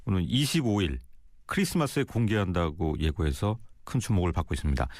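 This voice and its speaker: A man's voice: deep voice, big pitch swings, a little fast, darkish tone, no echo, clean studio sound. A man hosting a formal radio interview, asking questions in an orderly, polite broadcast manner.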